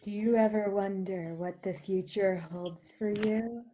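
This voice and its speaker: A woman playing a theatrical phony TV psychic in a parody ad, portentous with dramatic pauses. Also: medium pitch, fairly even intonation, warm tone, close to an everyday voice. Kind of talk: parody infomercial, comedy sketch. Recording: clear background noise with clicks.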